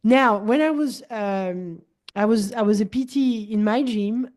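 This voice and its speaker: In a casual conversation, a wellness coach host in her forties, a native speaker of French, talks a little slowly with a voice on the high side. Animated, she repeats words, restarts sentences and regularly acts out quoted dialogue.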